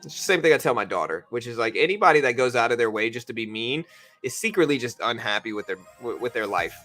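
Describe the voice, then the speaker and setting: A man hosts a livestream from home, tired and just out of bed, rambling in a loose, laid-back way. His voice has a bright, forceful edge even when he trails off. Faint music plays behind him. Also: mid-range voice, fast. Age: adult with a daughter. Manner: laid-back, rambling, says bro and you know a lot. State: just woke up, tired, voice deeper than usual. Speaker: livestream trading host. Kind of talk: casual livestream chat. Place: home in Texas.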